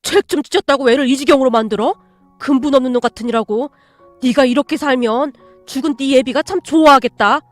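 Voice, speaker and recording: A woman voicing a rude, bullying middle-aged father who shouts insults, in a radio story reading. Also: high voice, brisk, no echo, faint music behind, lightly acted. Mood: furious scornful.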